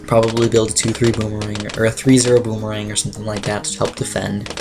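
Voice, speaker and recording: A teen gaming YouTuber talks quickly and casually as he plays, his raspy, dry voice fairly low and level in tone. He rambles, leaning on fillers and clearing his throat, against a noisy background.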